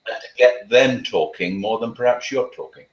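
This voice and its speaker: A man giving earnest advice as a dog trainer in an interview, talking quickly with frequent restarts. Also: mid-range voice, reverberant.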